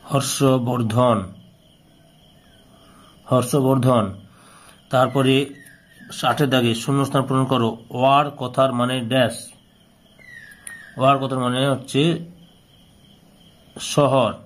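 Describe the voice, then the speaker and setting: Flat-toned male tutor. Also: medium pitch, slow pace, pauses often. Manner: dictation-like, repeating answers and phrases. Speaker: history teacher solving an exam paper. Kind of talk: instructional reading of questions and answers.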